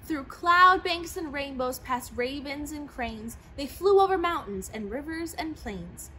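A young woman reads a rhyming children's book aloud in a lively, sing-song way. Her voice sits high and bright, and the big hangar room is faintly audible around her. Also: a little slow, a little hiss or hum. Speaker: storyteller. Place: large aircraft museum hangar, seated in a plane cockpit.

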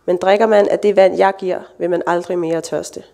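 A woman reading Jesus, calm and weary. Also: fairly low pitch, creaky. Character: Jesus, weary male traveler at a well.

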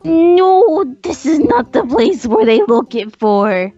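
A woman's voice: high-pitched, big pitch swings, takes it slowly, mellow, lo-fi sound, soft background music. A woman voice actor in casual, joking outtakes, talking with exasperated pleading. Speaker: voice actor in a fan dub group.

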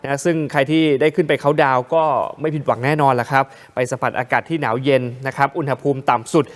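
A man's voice: medium pitch, fairly even intonation, fast talker. A man co-hosting a morning news show, joking with his co-host while narrating travel footage. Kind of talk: casual live TV chat over travel footage.

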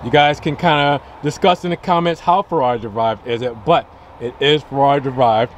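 A man's voice: medium pitch, a little fast. A young man hosting a casual car review on a dealership lot, chatty and upbeat, talking straight to his viewers. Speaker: car reviewer, channel host. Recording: faint outdoor noise. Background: light wind and outdoor ambience.

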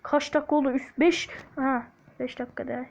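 Talking fast in a high, creaky voice with fairly even intonation, the same gaming YouTuber jokes with her audience in a fake Black Sea Turkish accent while she plays and hums bits of tunes. The audio is dull, with a little hiss or hum.

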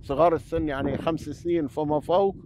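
A middle-aged man, speaking in a measured way with many fillers as he talks outdoors for an interview. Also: on the high side, steady tone, noisy background. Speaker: mosque community representative. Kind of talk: interview answers. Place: outdoors beside a mosque.

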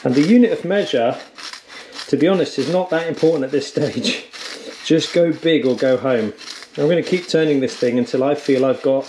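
A man's voice: fairly high pitch, normal speed, darkish tone, slight background noise. Chatty man teaching bushcraft outdoors. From England. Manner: upbeat, chatty, practical. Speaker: bushcraft instructor. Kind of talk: outdoor how-to demonstration. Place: woodland camp and wooden cabin.

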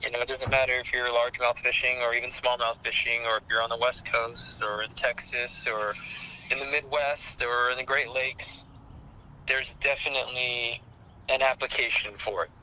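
A man heard through a speakerphone, talking casually as a guest fishing expert with dry, deadpan humor. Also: mid-range voice, moderate pace, slight background noise, rough recording. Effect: speakerphone call. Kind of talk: casual phone conversation.

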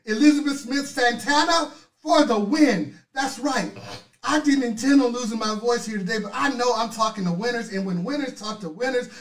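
A middle-aged man with a hoarse voice hosting a motivational livestream, loudly rousing viewers and calling out their names. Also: very high-pitched, moderate pace. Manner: loud, rousing, chanting names. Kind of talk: energetic motivational pep talk. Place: indoors at a desk, virtual city background. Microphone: webcam on a video stream. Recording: echoey, distant mic.

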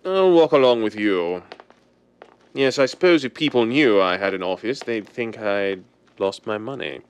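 An actor playing a suave, secretive wealthy gentleman with a smooth, urbane drawl in a 1930s-style radio drama. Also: fairly low pitch, lively intonation, normal speed. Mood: idle, breezy.

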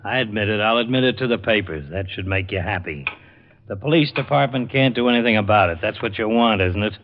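An actor playing a harried, blunt police lieutenant with an American accent in an old radio crime drama. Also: male voice, lowish voice, fairly quick, slight background noise, close to an everyday voice. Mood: frustrated. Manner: terse, blunt. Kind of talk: 1940s-50s radio crime drama acting. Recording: dull old radio recording.

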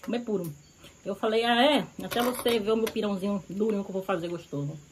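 A woman's voice: mid-range voice, quick pace, slight background noise, rough recording. A woman in her thirties from Bahia with a Bahian accent, chatting casually while eating outdoors on a rural porch, recorded by a camera on the table. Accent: Bahian Brazilian Portuguese. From Bahia, Brazil. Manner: chatty, savoring food between remarks. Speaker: food vlogger.

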